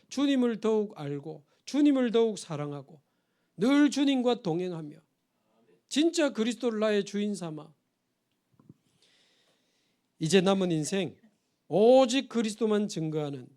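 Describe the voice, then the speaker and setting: Middle-aged male pastor, high-pitched, emphatic sermon delivery. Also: very animated, normal speed, pauses often, mellow. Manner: storytelling with acted quotes, rising emphatic appeals. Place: church sanctuary.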